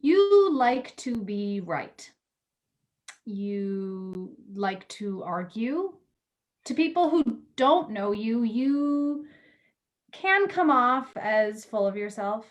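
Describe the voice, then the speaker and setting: A woman's voice: a little high, sing-song, extremely slow, dull audio, full character voice. A woman acting the part of a frank, loyal, somewhat jaded magazine editor confiding in a friend in a staged play reading. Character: candid, loyal female magazine editor, jaded about love.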